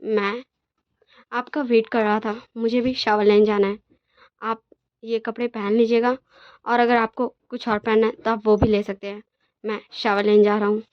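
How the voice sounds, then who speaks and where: A gentle young male omega husband from a storybook retelling, given voice by a woman narrator. He speaks quietly and evenly, in a slightly high voice. The sound is dry and a little dull. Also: little pitch movement, normal speed, long pauses, dry recording, lightly acted. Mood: soft calm.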